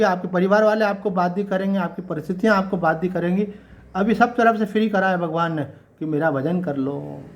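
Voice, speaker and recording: A man giving a conversational devotional sermon, asking his listeners rhetorical questions and reciting couplets slowly. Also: high voice. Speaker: swami giving a Gita discourse.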